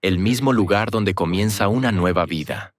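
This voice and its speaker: Male moderator, lowish voice, formal courteous introduction. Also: moderate pace, dry recording, clean studio sound. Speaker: conference moderator introducing a speaker.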